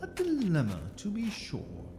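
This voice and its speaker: Stern, formal male wizard judge, condescending, slow, hugely animated delivery, audio drama. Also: high voice, a little hiss or hum, full character voice. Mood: stern, accusing. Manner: formal, theatrical, grave. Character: stern, condescending magical authority passing judgement.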